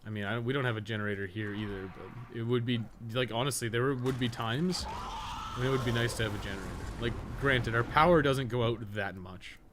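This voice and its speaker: A young man streams a game live and chats casually, rambling, swearing, and laughing easily. He's a game streamer and podcast co-host with a mid-range voice and a slightly fast pace, over a noisy background.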